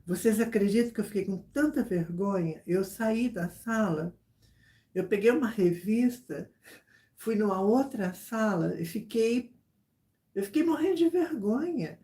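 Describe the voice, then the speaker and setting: A woman tells her viewers a personal story in a relaxed, chatty way. Her voice is mellow and warm at an ordinary pitch. She repeats herself for effect and keeps checking in with little asides. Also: unhurried. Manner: animated, repeats phrases, many "sabe?" asides. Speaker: YouTuber chatting with subscribers. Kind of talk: casual storytelling chat.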